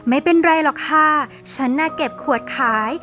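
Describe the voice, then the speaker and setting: A woman voicing a kind, humble, poor mother, gentle and polite, in a cartoon story. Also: sits high, moderate pace, soft background music.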